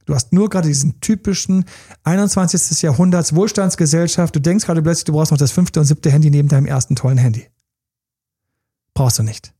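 Man, relationship coach, podcast monologue, direct, slightly raised pitch, dry recording. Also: brisk, warm tone, slightly rough, dry recording. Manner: direct, coaching, addresses listener as du.

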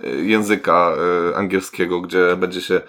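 A man's voice: low-pitched, level tone, moderate pace, fairly bright tone. A man co-hosting a casual podcast, speaking hesitantly with many fillers and trailing phrases. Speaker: podcast co-host. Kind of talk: casual chat.

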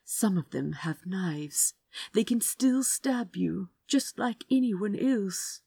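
A woman reads as a storybook prince, earnest and caring. He sounds protective of the one he loves, with expressive pitch in an unhurried delivery. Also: vocal fry, husky, no echo, exaggerated voice. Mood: worried. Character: earnest, protective prince, tender with his lover.

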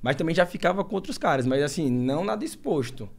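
Fast-talking young man telling his story. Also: a little high, lively intonation, vocal fry. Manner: emotional, halting, many restarts and fillers. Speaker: interview guest. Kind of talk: personal storytelling in an interview.

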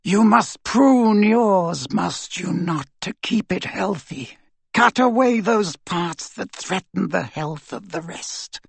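A man voicing a cold, menacing male dark lord who speaks quietly and deliberately. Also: sits high, expressive, vocal fry, slightly rough, no room sound, voice pushed up, heavily acted. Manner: slow, soft, sinister and deliberate.

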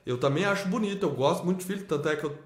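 Man, Brazilian accent, high-pitched, emphatic, repetitive, casual chat, echoey room. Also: very fast. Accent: Brazilian Portuguese. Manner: emphatic, repeats himself with many tag questions. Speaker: homeschooling father. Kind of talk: casual podcast conversation.

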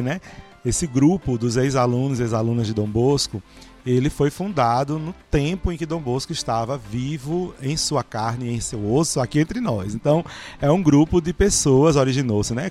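Priest hosting a podcast, chatty. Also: male voice, medium pitch, normal speed, dark tone, soft background music. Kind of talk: relaxed conversational podcast hosting.

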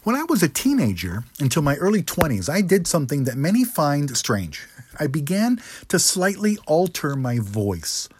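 A middle-aged man delivers a scripted instructional monologue in a practiced, slightly high register. His pitch swings widely through deliberate phrases and rhetorical asides, and the voice has a husky edge. The sound is very dry, with no room on it. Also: huge pitch swings, dry recording. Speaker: public speaking coach, host.

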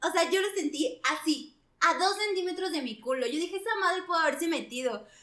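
A young Mexican woman with a high, bright voice tells gross-out stories in casual chat. She is animated, laughs easily and breaks into exclamations. The room sounds noticeably echoey. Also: fairly quick.

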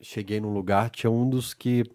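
A man hosting a casual podcast and putting relaxed questions to his guest. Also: on the low side, normal speed.

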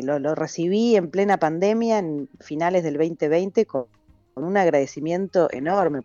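A woman's voice: deep voice, warm tone, dry recording, lo-fi sound. An Argentine actress talking casually in an interview, laughing easily and correcting herself as she goes. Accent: Argentine Spanish. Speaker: actress guest.

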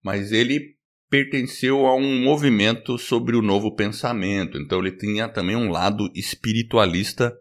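A man hosting a podcast in casual chat, talking in a lively way and laughing easily. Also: on the low side. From United States. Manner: lively, animated delivery with quick laughs. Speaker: podcast host.

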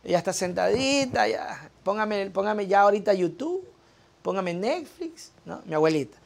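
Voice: mid-range voice, lively intonation, normal speed, gravelly. Chatty co-host. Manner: chatty, anecdotal. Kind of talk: casual chat.

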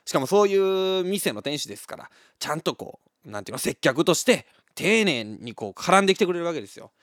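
A man from Osaka with a Kansai accent, telling a casual story as a monologue, animated and often laughing. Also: fairly high pitch, fast, no echo, studio quality. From Osaka, Japan.

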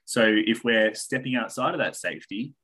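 A man's voice: fairly low pitch, expressive, moderate pace, fairly bright tone, slightly rough. A man with an Australian accent, a podcast guest talking in a reflective, philosophical way and swearing casually. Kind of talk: casual chat.

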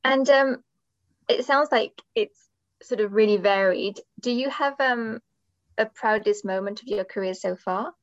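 A woman's voice: on the high side, unhurried, no room sound. A woman hosting a podcast in a conversational interviewing style. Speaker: podcast host. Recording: dull, band-limited dry microphone sound.

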